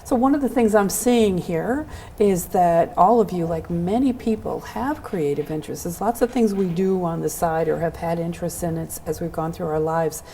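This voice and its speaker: A woman's voice: fairly low pitch, normal speed, mellow, a little hiss or hum. A woman hosting a local access television show, introducing guests and asking them encouraging questions. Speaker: host.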